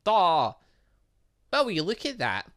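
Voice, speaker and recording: A man's voice: high voice, wildly swooping pitch, a little slow, a bit bright. A man doing a let's play, reading visual novel dialogue aloud expressively, often stumbling over words and adding side comments. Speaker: gaming channel host.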